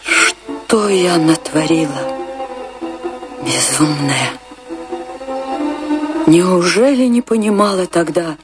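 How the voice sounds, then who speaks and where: An actress playing an anguished woman recalling her tragic love in a theatrical radio drama, with weighty pauses. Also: deep voice. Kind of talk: dramatic first-person narration in a radio play.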